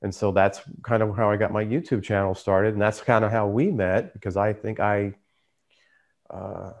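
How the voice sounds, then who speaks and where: A man's voice: fairly low pitch, steady tone, normal speed, gravelly. A man who hosts a trading channel, telling his story in a casual, conversational way. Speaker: trader and YouTube channel host.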